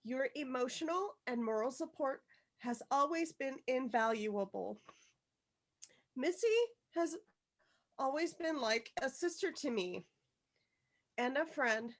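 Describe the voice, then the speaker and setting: A woman playing an awkward, earnest, dejected junior high schoolgirl in a screenplay table read, speaking in a halting, plain way. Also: animated, full character voice. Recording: video call.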